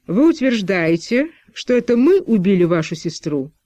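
A man's voice: high voice, sing-song, moderate pace, dark tone, no echo. A man voicing a stern postwar official who interrogates with pressing, insinuating questions.

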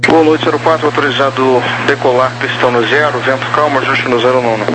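A man's voice: medium pitch, fairly even intonation, fast. A man with a Brazilian Portuguese accent giving air traffic control instructions over the radio. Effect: aviation radio transmission. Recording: noisy tower radio with hum.

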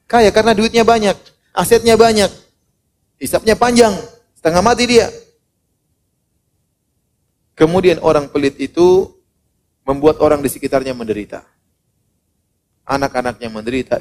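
Middle-aged male preacher, higher-pitched voice, lively sermon delivery, faint background hiss. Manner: animated, acts out quoted people, varies loud and soft. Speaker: Islamic preacher. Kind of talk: sermon to a congregation.

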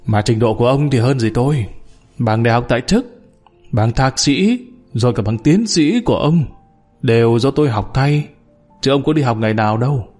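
A man's voice: mid-range voice, lively intonation, moderate pace, a little mellow, soft background music, lightly acted. A man voicing a bitter underling who mocks, accuses and wails at his old boss. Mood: mocking. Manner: mocking, accusing, wailing. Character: bitter downtrodden male underling, scornful, sobbing.

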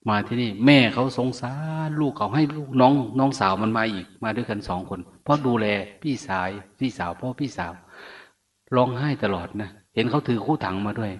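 An older man, a monk, giving a folksy storytelling sermon, acting out the people in his stories with blunt, rough words. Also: mid-range voice, brisk. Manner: lively, acts out quoted speakers, blunt rough words. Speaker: monk giving a dharma talk.

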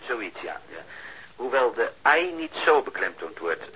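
A pedantic male sound technician in a radio drama. His voice is very bright and forward, at a middling pitch. He talks on the telephone in a chatty, hesitant way, laying things out step by step. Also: very animated, measured pace, slightly rough, heavily acted, poor audio. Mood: fussy, matter-of-fact.

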